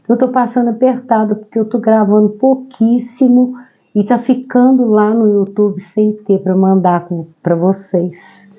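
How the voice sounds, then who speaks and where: A woman from Brazil, hoarse from a cold, gently explaining a Gospel passage verse by verse. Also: mid-range voice, fairly even intonation, moderate pace. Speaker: Bible teacher. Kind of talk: devotional Gospel commentary. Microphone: own microphone. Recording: slightly dull lo-fi recording.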